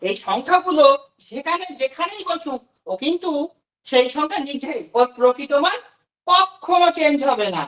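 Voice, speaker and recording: A woman with a high voice gives a demo lesson to children. She asks the class a question and then answers it herself. She sits a little back from the mic. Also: animated, moderate pace, fairly bright tone, recorded from a distance, low-quality recording. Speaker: teacher giving a demo class.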